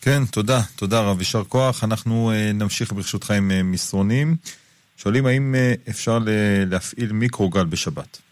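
A man's voice: on the low side, no echo. A man hosting a radio call-in show, politely thanking the rabbi and reading out listeners' text messages with small hesitations. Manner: brief, polite, reads out text questions with hesitations. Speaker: radio host.

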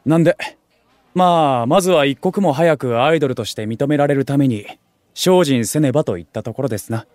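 An actor playing an excitable young otaku food streamer in an audio drama, talking in geeky slang with exaggerated reactions and junior-style politeness. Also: male voice, medium pitch, fairly quick, no echo, lightly acted. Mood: earnest. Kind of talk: Japanese audio drama acting.

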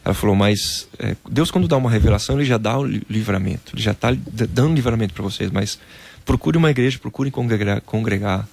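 A man from Brazil, a former footballer, telling a personal faith story in a casual interview, animated and peppered with "cara". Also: on the low side, quick pace, vocal fry.

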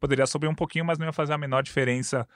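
Fast-talking Brazilian man in his thirties. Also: fairly high pitch, fairly even intonation, fairly bright tone, no room sound, studio quality. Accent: Brazilian Portuguese. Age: 30s. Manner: quick, detailed stats-heavy talk. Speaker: sports commentator. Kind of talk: casual sports chat.

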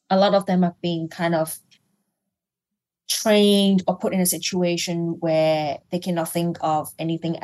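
A middle-aged woman from Hong Kong speaks as a guest in a business interview, her voice sitting a little low. She talks in a thoughtful, searching way, with fillers and restarts as she builds each point. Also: darkish tone. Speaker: executive coach, guest.

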